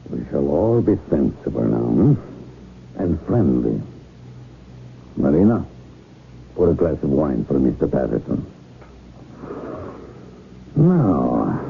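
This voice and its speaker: A suave foreign kidnapper on AM radio. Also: male voice, a bass voice, huge pitch swings, slow pace, long pauses, heavily acted. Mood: coolly menacing. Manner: smooth, mocking, coldly polite. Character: suave menacing male foreign kidnapper boss. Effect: AM radio sound. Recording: tinny AM radio broadcast, faint hiss.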